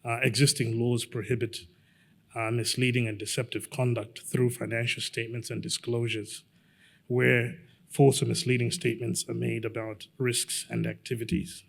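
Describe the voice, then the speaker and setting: Gravelly, halting man from Zambia. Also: mid-range voice, flat delivery. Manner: measured, halting, with frequent fillers. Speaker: lawyer giving a conference presentation. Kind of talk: conference presentation.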